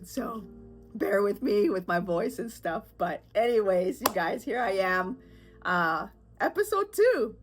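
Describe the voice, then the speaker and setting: A sick, stuffed-up woman hosting her own podcast, talking candidly and rambling with fillers. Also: fairly low pitch. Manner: candid, chatty, rambling with fillers and nervous laughs. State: congested, sick with a sore throat. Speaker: podcast host. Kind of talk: casual solo podcast talk.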